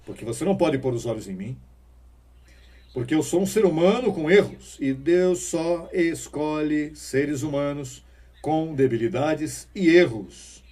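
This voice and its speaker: Male preacher, dark husky voice, emphatic sermon delivery, mic a little distant. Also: fairly high pitch, animated, measured pace. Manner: emphatic preaching, rising bursts and rhetorical questions.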